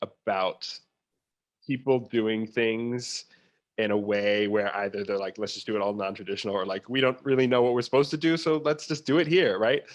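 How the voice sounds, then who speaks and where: Low-voiced man, casual interview guest. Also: fairly even intonation, moderate pace. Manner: anecdotal, voices quoted asides within explanations. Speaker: theatre producer, interview guest.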